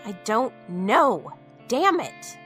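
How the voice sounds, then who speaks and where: A frightened amnesiac woman in an audio drama. She speaks slowly and deliberately in a bright, tense voice, frustrated and distressed. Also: fairly high pitch, sing-song, faint music behind, exaggerated voice. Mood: weary, frustrated.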